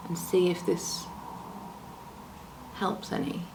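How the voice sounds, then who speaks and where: A young woman doing a chatty, self-deprecating makeup tutorial at home, her voice a little low from a coming cold, speaking close to the camera. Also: slow, roomy sound, noisy background. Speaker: beauty vlogger. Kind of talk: casual makeup tutorial chat. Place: room at home, indoors. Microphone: camera close to the face.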